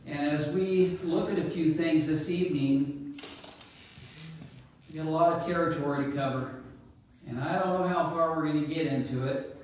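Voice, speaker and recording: A man giving an informal, conversational church talk with a loud, folksy delivery. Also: on the high side, normal speed, pauses often, slight background noise. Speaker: church speaker. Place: church sanctuary. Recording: echoey church hall, distant mic.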